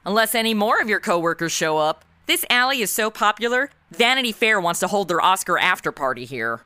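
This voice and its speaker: Actress as snarky blasé twenty-something girl, bright and bouncy, slangy, noir comedy audio drama. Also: mid-range voice, sing-song, a little fast, no echo. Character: sassy, flippant modern twenty-something woman stuck in noir.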